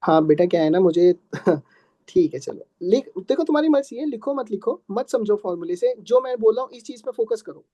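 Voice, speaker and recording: A male teacher lecturing a class on math, his voice mellow and warm in tone. He keeps posing questions and answering them himself, joking with his students. The sound is dry and close. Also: sits high, lively intonation, a little fast, dry recording.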